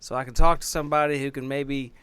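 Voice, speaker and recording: Wry, folksy man improvising role-play, mid-pitched. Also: fairly even intonation, fast, bright, forceful tone, clean tone. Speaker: tabletop game player on a podcast.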